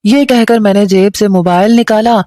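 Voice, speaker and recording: Woman storyteller, scripted first-person narration, mellow, dry close mic. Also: medium pitch, fairly even intonation, moderate pace, no room sound.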